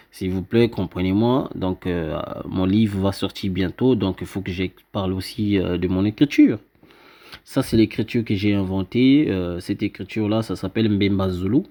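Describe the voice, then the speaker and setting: A man explaining a writing system he invented to viewers, pointing at a screen and talking haltingly with many fillers and restarts. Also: sits low, warm tone. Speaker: self-styled teacher presenting his invented script. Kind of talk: informal explanatory talk over a screen.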